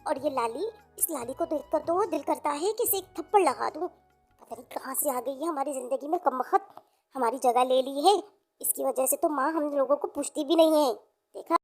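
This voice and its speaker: A woman's voice: sits high, normal speed, darkish tone, soft background music. A woman voicing a jealous, hot-tempered young daughter in a children's story, whiny and scolding. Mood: angry, jealous. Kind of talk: children's moral story character acting.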